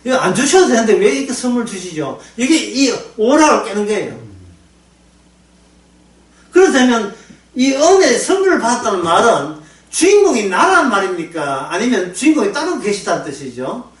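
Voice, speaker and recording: Man preaching, animated voice, conversational, laughing, echoey room, distant mic. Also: high voice. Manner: lively, conversational, laughing often, acting out prayers. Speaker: pastor. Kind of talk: sermon lecture.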